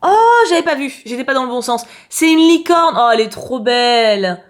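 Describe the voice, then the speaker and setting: A YouTuber host unboxes a parcel on camera, talking casually in a high-pitched, animated voice at a moderate pace. She's chatty and exclamatory, thinking aloud as she goes.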